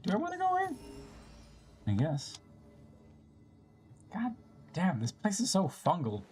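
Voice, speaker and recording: A woman streams a game and thinks aloud in casual commentary, playfully exasperated and swearing a lot. Her lowish, darkish voice swings hugely in pitch and moves a little slowly, with faint music behind her.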